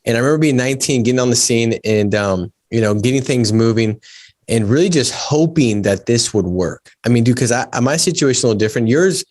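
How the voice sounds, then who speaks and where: A man's voice: mid-range voice, lively intonation, brisk, darkish tone. A man in his thirties hosting a podcast, chatty and enthusiastic, often saying "man" and "dude". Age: 30s. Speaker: podcast host. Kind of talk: casual podcast interview.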